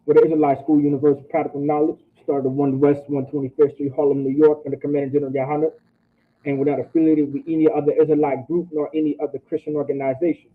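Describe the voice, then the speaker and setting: A man's voice: on the high side, little pitch movement, quick pace. A man teaching an online language class, repeating phrases and checking in with "all right?". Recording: tinny phone-like audio.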